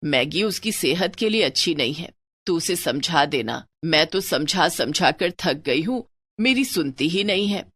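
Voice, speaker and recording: A woman's voice: deep voice, lively intonation, unhurried, a bit bright, husky, no room sound, voice pushed down, heavily acted. A woman voicing a scolding mother-in-law. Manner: scolding, nagging. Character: stern scolding middle-aged mother-in-law.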